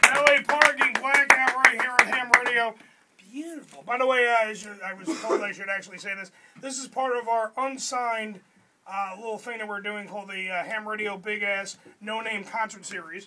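At a moderate pace, a man uses a raised, projected voice with ordinary pitch variation and big swings in loudness. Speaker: radio show host. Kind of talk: radio host banter. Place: studio. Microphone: camera far.

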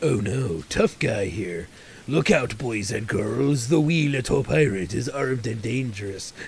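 Using a put-on character voice at a medium pitch, a man talks at a moderate pace over clear background noise. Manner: mocking.

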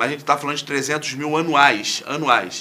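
A man speaks with a Carioca accent. His pace is fairly quick. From Rio de Janeiro. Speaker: football coach. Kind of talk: studio interview. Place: studio.

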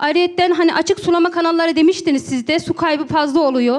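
A woman talks at a very fast pace with an extremely high pitch and fairly even intonation. The background is quiet. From Turkey, Tokat; Turkey. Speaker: livestock farmer. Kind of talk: town-hall chat. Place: hall. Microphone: handheld.

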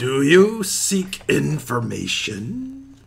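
A man puts on a character voice with a fairly high pitch and very wide pitch swings. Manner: slow, solemn.

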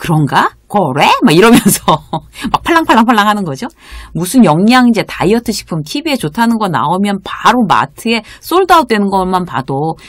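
Against a quiet background, a woman speaks at a moderate pace, her pitch rising and falling very widely. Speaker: lecturer on workplace life. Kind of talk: lecture. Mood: warm, lightly humorous. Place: studio. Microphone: studio mic.

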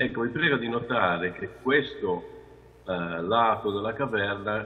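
The delivery is fairly slow, with ordinary pitch variation in an unremarkable speaking voice. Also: man. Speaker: archaeologist. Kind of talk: lecture. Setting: video call. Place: hall.

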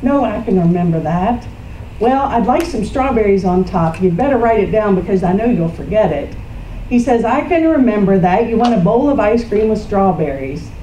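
A woman talks at a moderate pace with lively intonation, with audible room echo and light background noise. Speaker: speaker. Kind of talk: telling a joke to an audience. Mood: amused, light-hearted. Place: hall.

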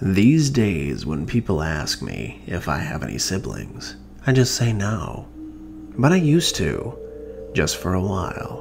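With a theatrical tone, a man speaks at a very deep, low pitch with very wide pitch swings over noticeable background noise. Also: fairly slow pace. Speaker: horror story host. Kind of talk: scripted ghost story narration, first-person creepypasta read aloud in a spooky tone. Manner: formal, theatrical host persona in welcome and sign-off.

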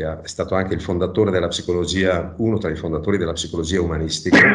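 In a quiet background, a man's intonation stays fairly even. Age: 60s. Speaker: psychology practitioner; interviewee. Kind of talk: interview. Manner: halting, many fillers and repetitions. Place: home room. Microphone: video call.

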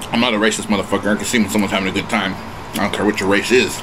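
Over noticeable background noise, a man with an American accent speaks at a very fast pace and a fairly low pitch. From Stockton, California. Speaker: mukbang YouTuber. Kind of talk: casual storytime while eating. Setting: home recording for video. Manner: casual, filler-heavy slang. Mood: relaxed, laid-back. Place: home room. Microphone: webcam.

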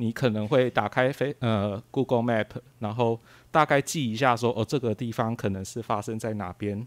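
On a very clean recording with a silent background, a man speaks at a fairly slow pace with a medium pitch and fairly even intonation. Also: dry, close sound with no echo. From Taiwan, Kaohsiung. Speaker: software engineer and conference speaker. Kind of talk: technical conference talk. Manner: halting, many filler sounds.

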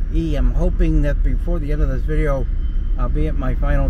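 Over loud background noise, the voice comes at a moderate pace with a dry sound and no echo. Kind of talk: casual driving commentary. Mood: frustrated by traffic. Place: car. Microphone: phone near.

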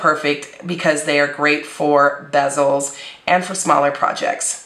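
A woman is speaking. Audible room echo can be heard. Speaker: craft product educator. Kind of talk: tutorial. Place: workshop.

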